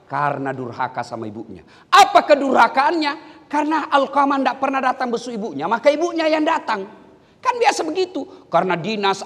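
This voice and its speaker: A man preaching a lively, joking sermon to a live audience, swinging between soft asides and sudden shouts. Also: very high-pitched. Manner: animated, joking, bursts into shouts. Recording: long hall reverb.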